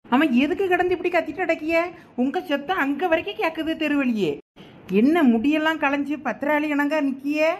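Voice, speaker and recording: A woman's voice: high-pitched, fairly quick, natural voice. A woman playing a curious, concerned neighbor who asks what is going on. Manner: curious questioning.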